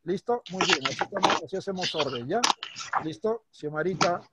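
A man teaching a primary school class online. He is patient, checks in constantly with short questions, and slows down to stress words when he explains. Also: high-pitched, expressive, very noisy. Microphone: computer mic on a video call.

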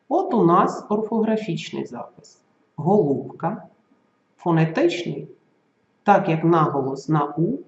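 A teacher giving a school video lesson, spelling out example sounds and words slowly and carefully. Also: mid-range voice, darkish tone. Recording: roomy, slightly dull recording.

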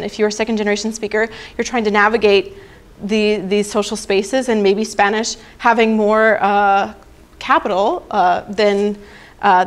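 A young woman presenting research at a conference, explaining slides and checking in with "right?" and "okay?". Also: medium pitch. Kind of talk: academic conference talk. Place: presentation room.

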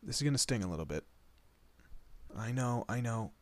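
A man playing a fiercely protective monster in a horror roleplay, with a husky, breathy voice and an intense, deliberate manner. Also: medium pitch, sing-song, no echo, close to an everyday voice. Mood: gentle, worried. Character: protective male monster, menacing to foes, tender to his human. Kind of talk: dramatic horror roleplay audio.

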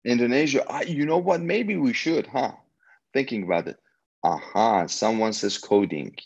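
A man whose first language is Farsi, giving an energetic, motivational talk to students as a guest speaker on a video call. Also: medium pitch, moderate pace, slightly rough, muffled recording. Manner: energetic and motivational, with frequent restarts.

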